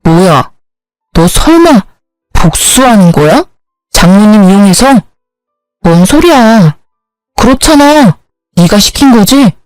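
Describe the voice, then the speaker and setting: A woman's voice: mid-range voice, big pitch swings, slow, long pauses, darkish tone, no echo, soft background music, low-quality recording. A woman voicing a husband who argues defensively with his wife. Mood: accusing. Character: defensive, then remorseful husband.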